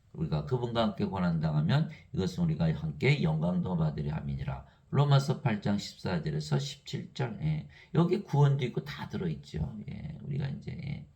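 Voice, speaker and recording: An older man giving a Bible teaching sermon. He reads verses in an even recital tone and argues with exasperated rhetorical questions. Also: fairly low pitch, creaky. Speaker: lay preacher.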